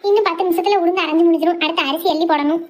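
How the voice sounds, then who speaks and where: Woman doing cheeky squeaky cartoon daughters. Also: very fast, very noisy. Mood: teasing. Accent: Kanyakumari Tamil. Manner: cheeky, teasing. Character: teasing teenage daughters, cheeky and bickering.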